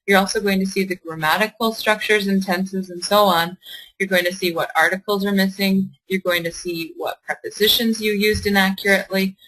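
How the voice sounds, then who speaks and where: Woman, young adult, test prep tutor, encouraging, bright, clear tone. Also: mid-range voice, fairly even intonation, brisk, rough recording. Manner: encouraging, asks the class questions and reads out their answers. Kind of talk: online class teaching.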